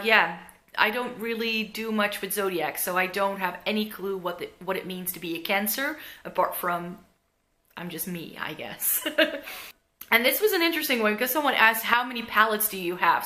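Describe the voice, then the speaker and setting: In her living room, a young Dutch woman addresses a camera at close range, her mid-range voice sharp in tone and her accent part Dutch, part American. As a beauty vlogger, she chats loosely and rambles with many fillers.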